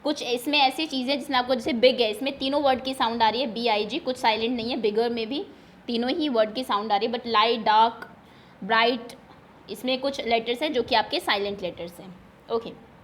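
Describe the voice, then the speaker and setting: A woman teacher explains a children's lesson step by step. She reads lines slowly and then explains them in Hindi. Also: on the high side, slight background noise. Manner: patient, step-by-step, addresses young pupils directly. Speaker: school teacher.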